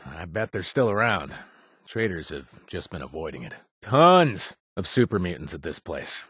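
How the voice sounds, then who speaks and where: An actor playing a wry, chatty wasteland informant in a video game, husky, with a hesitant, rambling delivery and joking asides. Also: male voice, low-pitched, very animated, moderate pace, fairly bright tone, dry recording, clean studio sound, heavily acted. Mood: casually warning. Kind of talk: video game voice acting, casual spoken tips.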